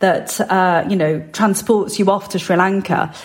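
A woman with a West Midlands accent speaks at a moderate pace. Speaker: cookbook author and home cook. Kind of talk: interview. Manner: hesitant, many fillers.

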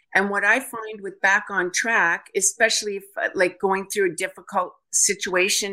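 With a Canadian accent, a woman talks at medium pitch in a bright, sharp tone with ordinary pitch variation. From Toronto, Canada. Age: 60s. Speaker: retiree and weight loss program member. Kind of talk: casual chat. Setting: video call.

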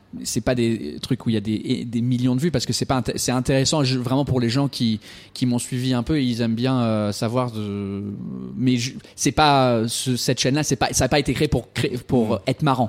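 Fairly even intonation marks this man's speech. His voice sits at a medium pitch. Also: moderate pace. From England. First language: English (speaking French). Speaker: stand-up comedian and YouTuber. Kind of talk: casual interview. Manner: halting, repeats words.

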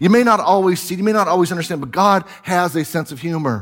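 This is a man speaking. His pitch is high. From Pasco, Washington, US Pacific Northwest. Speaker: preacher. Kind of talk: sermon. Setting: church.

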